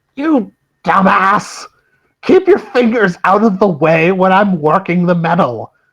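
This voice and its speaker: A shrill, put-on character voice at a middle pitch and a fairly slow pace. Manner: shouting, angry.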